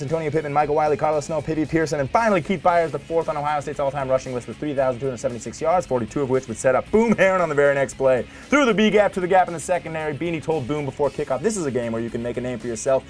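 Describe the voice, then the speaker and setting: A man reading a scripted sports highlights voice-over in a punchy, wry manner packed with statistics. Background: music bed under the voice.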